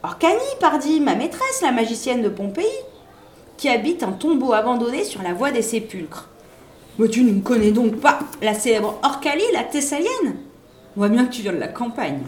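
A brash little witch girl with a high, defiant voice, boasting and mocking, as a woman reading a storybook aloud puts her on. She sounds cheeky and sure of herself. The reading is heard in a roomy space with a faint background hum. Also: animated, moderate pace, a little mellow, natural voice. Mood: scornful.

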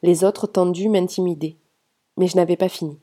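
A woman reads a first-person novel aloud in a steady, measured way. Her voice is lowish and mellow. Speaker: audiobook reader.

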